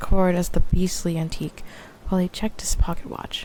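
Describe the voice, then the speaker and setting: Soft-spoken and calm, a woman talks at a moderate pace in a dark, mellow tone with ordinary pitch variation. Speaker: VTuber / ASMR streamer. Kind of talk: soft-spoken ASMR audiobook reading for sleep and relaxation. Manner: soft-spoken, calm, cozy.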